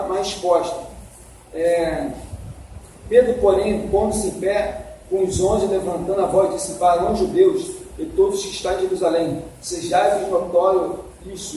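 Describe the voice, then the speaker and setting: A man's voice: high voice, steady tone, normal speed, dark tone, slight background noise. A man teaching a Sunday school class on the Bible, asking the class questions as he goes. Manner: asks the class questions, coaxing. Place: church hall. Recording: echoey hall from far off.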